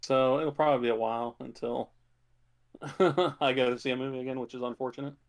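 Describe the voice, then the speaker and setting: A man with a creaky, mid-pitched voice co-hosts a casual podcast. He speaks in a low-key, slightly hesitant manner, as if chatting with a friend. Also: fairly even intonation, brisk. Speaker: podcast co-host. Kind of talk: casual chat about movies.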